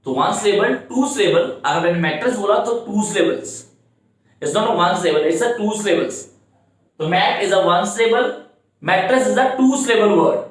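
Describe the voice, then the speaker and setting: A man teaching English poetry terms in an exam-prep lecture, reading lines slowly and repeating words to drill them. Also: sits high. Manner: slow, drawn-out word-by-word reading and repeating. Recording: echoey room, from a distance.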